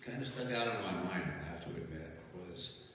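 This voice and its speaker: A middle-aged man reminiscing to his congregation in a halting, folksy way with chuckles, speaking at a stand mic in a chapel. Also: low-pitched, fairly bright tone, slight background noise. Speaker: longtime congregation member. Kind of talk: reminiscing testimony. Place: large chapel with hard walls. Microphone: stand mic, heard from a distant camera. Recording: echoey chapel, voice far from mic.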